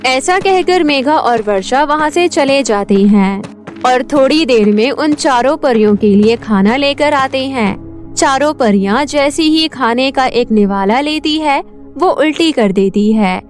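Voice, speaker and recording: A woman's voice: high-pitched, expressive, unhurried, faint music behind. A woman reading scripted narration for a children's cartoon story.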